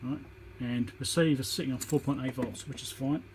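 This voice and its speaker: A man's voice: medium pitch, fairly even intonation, normal speed, noisy background. A man giving an informal, matter-of-fact hands-on repair tutorial, thinking aloud as he works, recorded on a phone on a tripod. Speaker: electronics repairer demonstrating.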